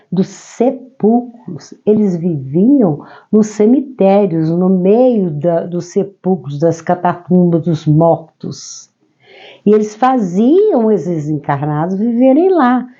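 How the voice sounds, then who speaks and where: A woman from Brazil, hoarse from a cold, gently explaining a Gospel passage verse by verse. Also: lowish voice. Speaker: Bible teacher. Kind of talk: devotional Gospel commentary. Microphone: own microphone. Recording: slightly dull lo-fi recording.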